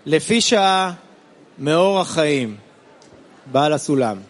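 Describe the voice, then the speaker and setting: A man's voice: on the high side, expressive, fast talker. A man reading a text aloud in a solemn style.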